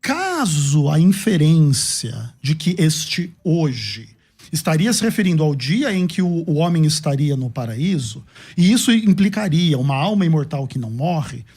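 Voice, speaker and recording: A man giving a measured, formal rebuttal in a theological debate. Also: high-pitched, very animated, a little mellow, breathy edge.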